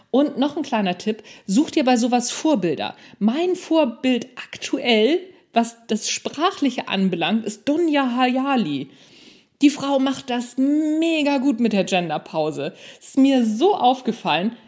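High-voiced woman podcaster. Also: darkish tone. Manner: informal, direct address, self-deprecating humour. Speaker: podcast host and non-fiction author. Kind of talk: solo podcast talk, conversational.

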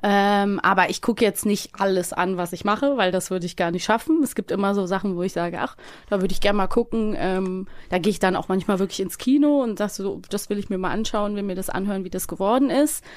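A woman's voice: medium pitch, brisk, dry recording. Woman chatting, close dry sound. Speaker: podcast guest and voice actor. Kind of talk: casual podcast chat.

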